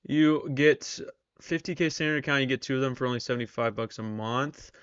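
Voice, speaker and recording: A man with a mid-range voice runs a casual live stream as a trader host, talking a little fast in a slightly bright, smooth way. His voice is strained and tired because he's losing it, yet he stays chatty and reads comments aloud. No echo, but the highs are cut off.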